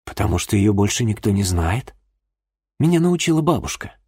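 A man reading the lines of a polite, gentle young pregnant woman in an audiobook, in a soft, courteous storytelling manner. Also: fairly low pitch, big pitch swings, moderate pace, breathy edge, dry recording, clean studio sound. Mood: nostalgic.

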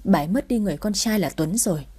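A woman's voice: medium pitch, lively intonation, quick pace, mellow, slightly rough. A woman in her twenties narrating her own sad family story in a sorrowful, reflective way. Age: 20s. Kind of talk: first-person story narration.

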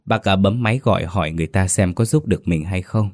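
Calm funeral band musician, read by a man, deep low voice, thoughtful. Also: fast. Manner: thoughtful, helpful.

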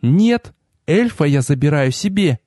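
A man voicing a cold, menacing white-haired sorcerer prince who speaks in a flat, contemptuous way. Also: fairly high pitch, unhurried, no room sound, clean studio sound.

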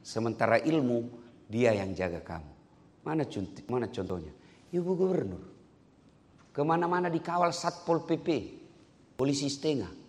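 A man from Indonesia giving a joking sermon, animated and breaking into loud, high bursts. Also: moderate pace, long pauses, long reverb tail, a little hiss or hum. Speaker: preacher. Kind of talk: comedic sermon.

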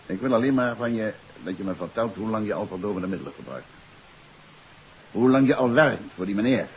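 An actor playing a shrewd, authoritative detective in a 1950s radio drama, speaking in a probing, deliberate way. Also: male voice, fairly low pitch, animated. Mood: stern, pressing. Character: shrewd, authoritative male amateur detective confronting a suspect. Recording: muffled 1950s radio recording with hiss.

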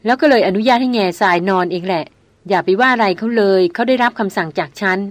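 A proud young noblewoman, headstrong and firm, who keeps insisting on getting her way, as a woman reader voices her. Her mid-pitched voice sounds dry and close, with no room around it. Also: fast talker, no room sound, lightly acted. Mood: insistent.

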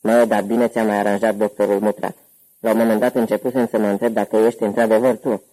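A man voicing a hoarse, corpulent older gangster uncle who talks boisterously and at length. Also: fairly low pitch, flat delivery, dark tone, lightly acted, poor audio. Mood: amused.

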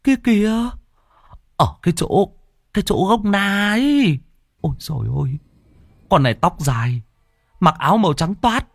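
A man voicing a panicky young man who stammers and wails in a high, breathless voice in a ghost story. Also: very animated, moderate pace, gravelly, long pauses, no room sound, studio quality, full character voice. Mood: pleading. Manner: stammering, shrill wailing.

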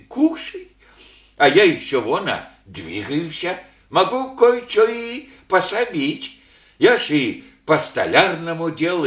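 An actor playing a humble, elderly widowed village father who speaks in halting rustic phrases full of fillers. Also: on the high side, a bit bright, roomy sound, heavily acted. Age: older. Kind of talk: archival Soviet radio play acting.

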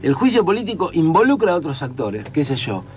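Man, rioplatense accent, animated conversation, slightly high voice, faint music behind. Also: fairly quick. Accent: Rioplatense Spanish. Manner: animated, sings out rhythms to explain. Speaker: writer and teacher. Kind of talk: casual conversation.

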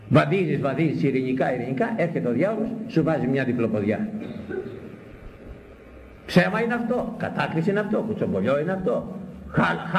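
Guy preaching in a big echoey church, keeps repeating himself, pitch jumps all over. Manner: repeats words emphatically, swings between high exclamations and low intonation. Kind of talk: sermon on a Bible passage. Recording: echoey hall, faint background noise.

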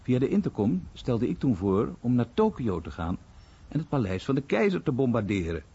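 A man playing an American war veteran who soberly recalls his bomber days in a radio drama monologue, in a husky voice. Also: mid-range voice, big pitch swings, normal speed, mellow. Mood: narrating. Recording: slightly dull radio recording.

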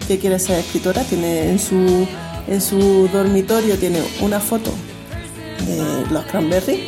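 Woman radio host, casual chatty talk, easy laughter, frequent restarts, clear music underneath. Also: mid-range voice, fairly even intonation, unhurried. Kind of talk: casual radio chat reviewing a series.

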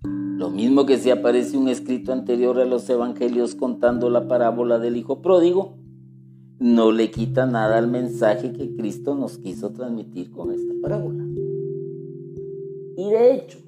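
A man giving a Catholic religious teaching talk. He speaks deliberately and addresses the listener directly. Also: medium pitch. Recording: guitar music playing behind the voice. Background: plucked guitar music.

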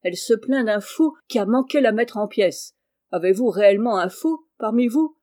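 A woman's voice: on the high side, animated, normal speed, dark tone, no echo, studio quality, natural voice. Woman doing a suspicious railway employee.

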